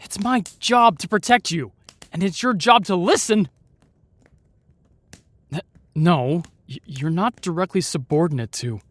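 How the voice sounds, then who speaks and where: A man's voice: sits high, measured pace, pauses often, no room sound. A man playing a protective, exasperated knight in a fantasy audio roleplay, speaking formally and earnestly. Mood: exasperated scolding. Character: protective, exasperated young male knight guarding a lady.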